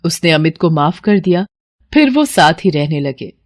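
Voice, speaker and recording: A woman reading a storybook tale in steady, measured narration. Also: sits low.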